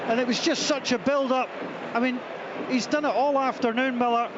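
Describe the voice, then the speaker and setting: A man commentating live on football for radio, voice raised in an excited goal call. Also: very high voice, normal speed. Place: outdoor football stadium. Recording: dull radio sound, loud stadium crowd noise. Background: loud crowd and stadium ambience.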